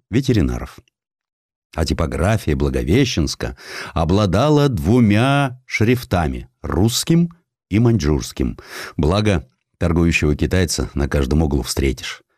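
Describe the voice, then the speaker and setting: Deep-voiced, highly expressive male narrator. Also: dry recording, studio quality. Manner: theatrical, wry storytelling. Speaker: audiobook narrator. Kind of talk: dramatic scripted narration of a historical sketch.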